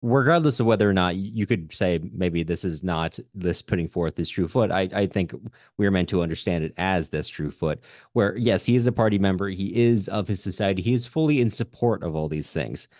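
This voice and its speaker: A man hosting a podcast, talking through a book in a conversational, halting way as he thinks aloud. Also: deep voice, a little mellow, no room sound, clean studio sound. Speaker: podcast host. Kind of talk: conversational literary discussion.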